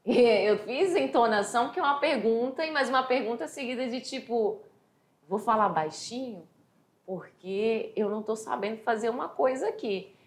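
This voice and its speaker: A Brazilian woman teacher giving a lively exam review lesson, chatty, slowing down to read English phrases aloud. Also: on the high side, reverberant. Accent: Brazilian Portuguese. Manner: animated, chatty, reads English quotes slowly.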